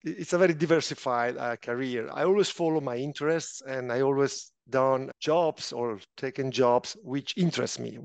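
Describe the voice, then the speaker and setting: A middle-aged man from Italian-speaking Switzerland, speaking English with a clear Italian accent. His voice sits a little high for a man, and he tells his story animatedly, with small restarts. The sound is dry and close. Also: dry recording. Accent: Swiss Italian. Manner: animated, slightly imperfect English, frequent restarts. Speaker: guest, finance official. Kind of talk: interview storytelling.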